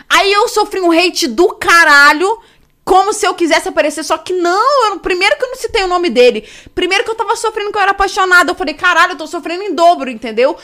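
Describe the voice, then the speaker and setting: A young woman with a high, bright voice tells her story as a podcast guest. Her pitch leaps all over as she talks. She swears freely and acts out each quoted line. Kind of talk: casual storytelling.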